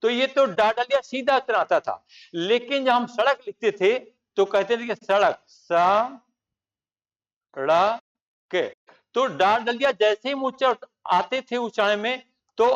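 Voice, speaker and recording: High-voiced man teaching from a board. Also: fairly bright tone, distant mic, lo-fi sound. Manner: explanatory, repeats points, points at the board. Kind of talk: exam-prep grammar lesson.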